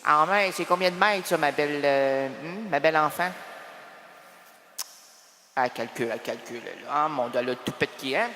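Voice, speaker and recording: A man's voice: fairly high pitch, normal speed, pauses often, bright, forceful tone, big-room sound. A man with a Quebec French accent hosting a radio show in a rambling comic monologue, full of teasing wordplay and repeated phrases. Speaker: radio host.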